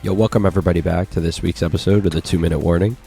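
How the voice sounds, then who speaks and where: A man hosting a casual sports chat, stuffy from a cold, relaxed and full of fillers. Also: low voice, racing, creaky, soft background music. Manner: laid-back, filler-heavy. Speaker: podcast host.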